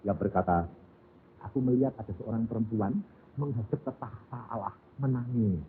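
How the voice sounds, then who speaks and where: A man's voice: on the low side, moderate pace, slight background noise. A middle-aged man, preaching a sermon as a folksy storyteller who acts out family dialogue. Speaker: pastor. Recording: lo-fi phone-like audio.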